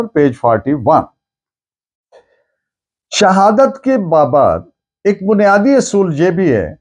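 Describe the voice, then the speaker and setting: A man with a Pakistani accent giving an explanatory law lecture, deliberate and restating key points in other words. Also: high voice, a little mellow. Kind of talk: explanatory lecture with dictated case citations.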